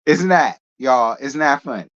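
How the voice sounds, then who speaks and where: A man's voice: mid-range voice, expressive, moderate pace, a bit bright. Sassy man hosting a gossip show. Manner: sassy, chatty, laughing asides. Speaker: host. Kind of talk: casual gossip commentary. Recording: dull lo-fi.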